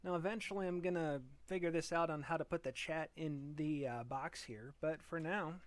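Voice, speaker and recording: A man's voice: on the high side, normal speed, no room sound. Easygoing man streaming from home. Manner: relaxed, chuckling, thinks aloud while fiddling with software. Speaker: vTuber streamer. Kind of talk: casual live-stream chat. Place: home room.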